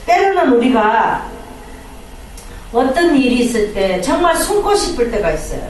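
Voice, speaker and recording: High, lively woman pastor preaching. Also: moderate pace, slight background noise. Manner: animated, acts out quoted prayers and complaints. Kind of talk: sermon. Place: church sanctuary. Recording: echoey hall from far off.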